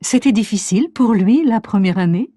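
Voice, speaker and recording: Mellow-voiced woman host. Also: mid-range voice, expressive, normal speed, no echo, clean studio sound. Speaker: show host in a dialogue. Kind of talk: scripted slow-paced learner dialogue.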